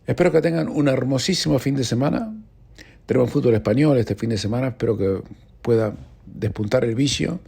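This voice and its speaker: A man's voice: mid-range voice, a little fast, creaky, mellow, husky. A man with an Argentine accent hosting a radio news show, chatting casually with wry, ironic asides. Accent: Argentine Spanish. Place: radio studio.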